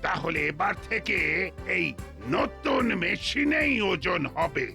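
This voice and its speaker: A man voicing a pompous, excitable, blustering police inspector in a comic cartoon. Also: high voice, slow pace, creaky, over loud music, exaggerated voice. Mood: bossy, eager.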